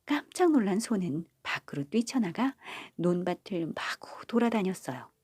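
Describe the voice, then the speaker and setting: Breathy, lively woman storyteller. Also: medium pitch, moderate pace, no echo, studio quality. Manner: gentle, motherly storytelling. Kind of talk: bedtime folk-tale narration. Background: faint background music.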